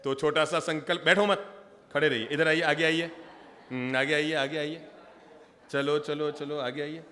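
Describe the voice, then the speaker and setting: A man's voice: a little high, fairly even intonation, unhurried, bright, forceful tone. Humorous preaching man in a reverberant hall. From Rajasthan, India. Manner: humorous, engages audience directly. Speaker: Jain monk preacher. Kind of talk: sermon.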